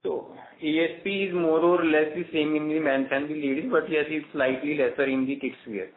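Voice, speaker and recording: A man with an Indian accent, a company executive, answering earnings call questions in a hesitant, halting way. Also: on the high side, fairly even intonation. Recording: narrow phone line with light noise.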